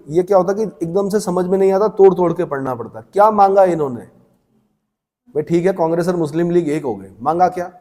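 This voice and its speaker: A man's voice: fairly high pitch, mellow, in a large hall. A male coaching teacher giving a classroom lecture, reading points aloud, then asking students questions and explaining plainly. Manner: reads text then explains in plain talk.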